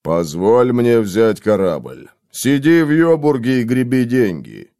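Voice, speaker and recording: A male reader voicing a stubborn young man who mumbles slowly, in an audiobook. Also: medium pitch, big pitch swings, mellow.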